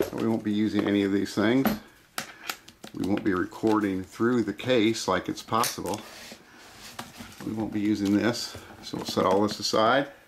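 A man speaks at a moderate pace in a fairly low pitch, with a flat, monotone delivery. Long pauses come often, and noticeable background noise runs under his voice. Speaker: collector demonstrating a device. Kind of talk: product demonstration. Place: home room. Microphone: camera far.

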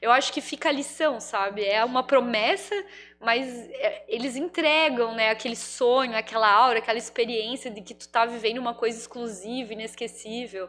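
Her high-pitched voice has a bright, sharp tone and ordinary pitch variation, with big swings in loudness. Light background noise sits behind the woman. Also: moderate pace. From Brazil, interior of Paraná. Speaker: branding consultant; podcast guest. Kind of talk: casual interview. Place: studio. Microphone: studio mic.

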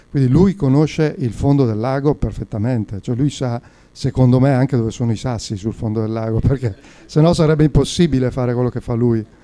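Here a man speaks at a fairly quick pace, his pitch medium. His tone is dark and mellow, with ordinary pitch variation. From Lake Garda area, Lombardy, Italy; Lombardy, Italy. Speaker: traditional rower; panelist. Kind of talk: public talk at a community event. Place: meeting room. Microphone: handheld.

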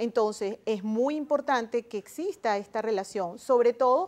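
A woman in a Venezuelan accent speaks at a fairly slow pace. Her voice is high-pitched. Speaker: lawyer. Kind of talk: expert interview. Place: studio. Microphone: lapel.

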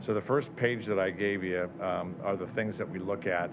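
A man with a fairly low voice talks at a moderate pace with lively intonation, over noticeable background noise and audible room echo. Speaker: energy services salesperson. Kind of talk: sales presentation at public meeting. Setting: county commissioner meeting room. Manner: loud.

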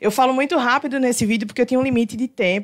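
A woman speaks against a quiet background. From Northeast Brazil. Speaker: young scientist, app founder; panelist. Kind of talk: panel talk. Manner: hesitant, many fillers. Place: hall.

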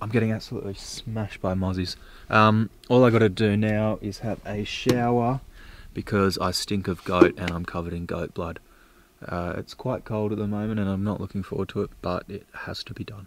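A man's fairly low-pitched, plain, everyday voice, fairly quick in pace with fairly even intonation, in a dry sound with no echo. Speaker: hunter vlogger. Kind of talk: casual vlog chat. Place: forest. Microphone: phone near.

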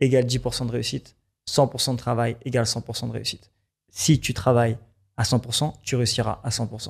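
With vocal fry and monotone, flat intonation, a man speaks at a medium pitch and a fairly slow pace against a quiet background. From Paris suburbs, France; France. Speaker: entrepreneur and investor; guest. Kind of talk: interview. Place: studio. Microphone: studio mic.

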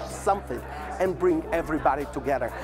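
A man talks over clear music in the background. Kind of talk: interview answer. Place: hall. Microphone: lapel.

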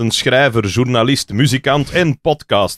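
A man speaks fairly slowly. Nothing much stirs in the quiet background. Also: dry sound with no echo. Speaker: podcast host. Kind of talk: casual interview chat. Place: studio. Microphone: studio mic.

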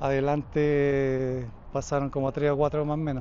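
A man speaks with monotone, flat intonation. The sound is dry with no echo, over light background noise. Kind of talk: casual vlog commentary. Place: open country. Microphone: phone near.

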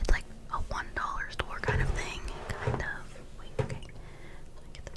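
Whispering at a moderate pace, a woman's voice shows big swings in loudness. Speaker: ASMR content creator. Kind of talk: casual talk to camera. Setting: studio, close-mic recording with headphones. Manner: casual, chatty, hesitant. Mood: cheerful, excited. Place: home room. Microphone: studio mic.

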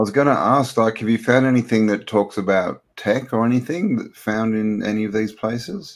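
Speaking at a moderate pace with hardly any pauses, a man uses ordinary pitch variation. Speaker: live stream host. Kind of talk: casual panel discussion. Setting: video call. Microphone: video call.

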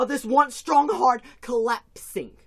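A man talks at an extremely high pitch in a raised, projected voice. His pace is moderate and the background is quiet. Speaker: spoken word poet. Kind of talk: spoken word poem, confessional breakup monologue. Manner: raw, emotionally charged and regretful; building intensity, anguished outbursts. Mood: regretful, heartbroken. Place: garage. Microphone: webcam.

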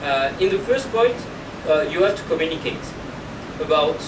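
Over noticeable background noise, a man with a strong French accent speaks at a moderate pace, his high pitch making very wide swings. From France. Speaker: nonprofit fundraising manager; conference presenter. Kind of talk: conference talk. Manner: halting, many filler sounds. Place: hall. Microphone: camera far.

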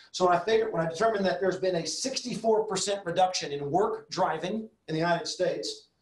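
A man talks at a fairly quick pace with a high pitch. The background is quiet, but room echo is audible. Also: ordinary pitch variation. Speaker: energy market expert. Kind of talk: live webinar briefing. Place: meeting room.

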